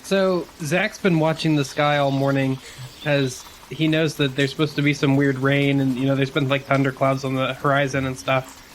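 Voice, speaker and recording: A man's voice: mid-range voice, flat delivery, normal speed, a little hiss or hum. A man playing a tabletop game, casually improvising what his character sees and does.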